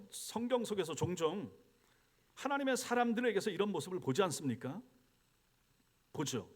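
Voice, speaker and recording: A man, a pastor, preaching a sermon in a church and acting out complaining prayers. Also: high voice. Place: church sanctuary.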